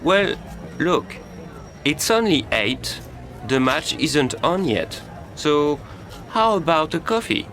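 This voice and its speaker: A man playing a friendly young man making small talk in a slow, clearly spoken lesson dialogue. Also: fairly high pitch, very animated, a bit bright, exaggerated voice. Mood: chatty.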